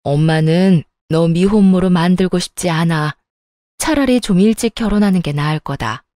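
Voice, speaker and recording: A woman reading the lines of a caring, practical middle-aged mother who speaks calmly and reassuringly in a narrated story. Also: fairly low pitch, normal speed, no echo, clean studio sound, natural voice. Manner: calm, reassuring.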